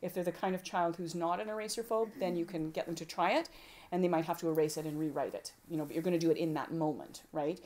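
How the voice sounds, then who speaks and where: A woman with a somewhat low voice leads an informal teaching session for a group of homeschooling parents. She talks in a lively, conversational way and slips into short play-acted exchanges between parent and child. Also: quick pace. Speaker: homeschooling workshop presenter.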